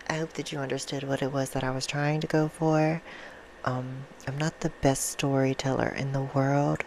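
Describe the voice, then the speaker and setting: A soft-spoken woman chatting casually and affectionately to her viewers in an ASMR style, with an informal, self-deprecating manner. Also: low-pitched, a little hiss or hum, rough recording. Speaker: ASMR video creator and host.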